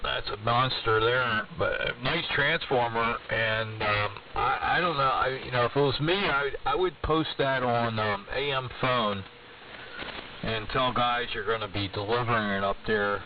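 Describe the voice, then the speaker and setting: A man's voice: medium pitch, a little slow. A man chatting casually as an amateur radio operator over shortwave AM, hesitant and rambling as he thinks aloud. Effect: shortwave AM radio transmission. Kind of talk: casual ham radio chat. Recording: noisy, muffled, distant shortwave radio signal.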